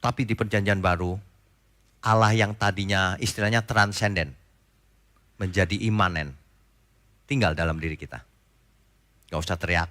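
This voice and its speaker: A male pastor, preaching conversationally, shifting between loud emphatic points and soft, low asides and asking the congregation questions. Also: normal speed, pauses often. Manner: asks the congregation rhetorical questions. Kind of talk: sermon.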